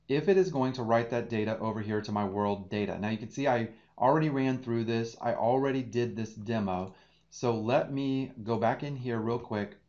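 A man in his 30s, a data engineering instructor, leads a screen-share tutorial in a mid-range, slightly mellow voice. He explains patiently and talks through every click, and the home-office audio sounds a bit muffled.

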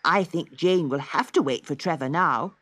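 A woman voicing a calm, sensible young male hamster who talks reassuringly. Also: sits low, moderate pace, no room sound, pitched below the performer's own voice.

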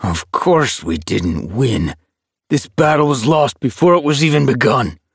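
A man's voice: medium pitch, expressive, measured pace, gravelly, breathy edge, dry recording, studio quality, voice pushed up, heavily acted. A man voicing a bitter black tomcat warrior in a storybook reading, speaking in a contemptuous, spitting way.

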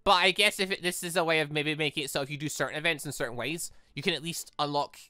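A man giving casual, animated game commentary as he thinks aloud in a rambling, expressive way. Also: a little high, fast talker, no echo, studio quality. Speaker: gaming channel host. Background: background music.

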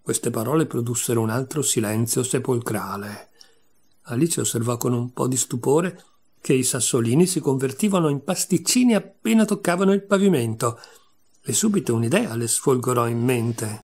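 A male audiobook reader narrating a classic children's tale. His reading is measured and expressive. His voice sits in an ordinary middle pitch. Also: husky. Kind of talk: scripted narration of a classic storybook.

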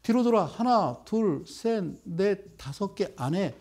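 A man's voice: sits high, lively intonation, takes it slowly, a little mellow. A middle-aged man giving a live broadcast lecture on stock trading, bantering with viewers and firing off rhetorical questions.

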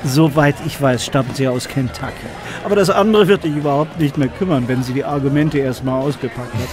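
A man's voice: medium pitch, brisk, natural voice. An actor playing a jovial, womanizing Hollywood millionaire producer in a radio play, chummy and playful. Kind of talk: German radio play acting. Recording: party crowd and music behind.

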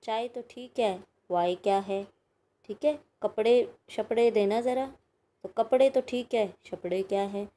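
Slow, patient woman teaching schoolchildren. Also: a little high, mellow. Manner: patient, explains slowly with tag questions. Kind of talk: recorded Hindi grammar lesson for children.

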